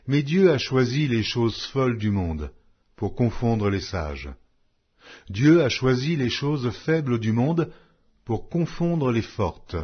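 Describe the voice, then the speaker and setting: A low male voice, somewhat husky, delivers a solemn scripture reading. His phrases rise and fall widely, set apart by deliberate pauses in a measured, declamatory manner. The audio is slightly dull. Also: animated.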